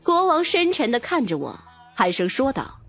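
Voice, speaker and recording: A woman narrates a novel as an audiobook narrator, using a dramatic, scripted first-person storytelling style. Her high, slightly bright voice swings hugely in pitch at a moderate pace. Soft music plays in the background.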